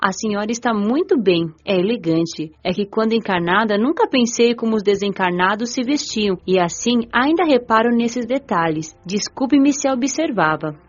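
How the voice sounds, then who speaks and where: A woman narrating an audiobook in the first person, telling the story gently. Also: mid-range voice, animated, normal speed, few pauses, muffled recording, faint music behind.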